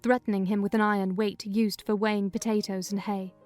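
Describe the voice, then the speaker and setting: A woman giving a dramatized first-person reading of a classic novel in measured, clear storytelling. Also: mid-range voice, little pitch movement, a little mellow, faint music behind. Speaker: reader of a novel.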